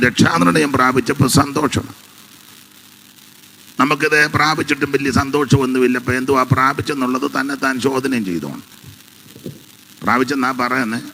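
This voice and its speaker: A man preaching a sermon with a hoarse voice, emphatic, counting out his points and making asides to the congregation, into an amplified microphone. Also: mid-range voice, pushed and bright, a little hiss or hum.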